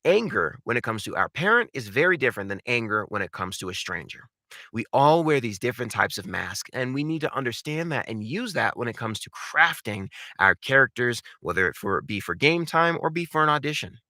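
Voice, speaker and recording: A man coaching in an informal instructional style, animated and emphatic, speaking directly to his viewers. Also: mid-range voice, brisk, no room sound, studio quality. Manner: animated, emphatic, uses rhetorical questions and repetition. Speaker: voice acting coach and video host. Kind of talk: instructional talk to camera.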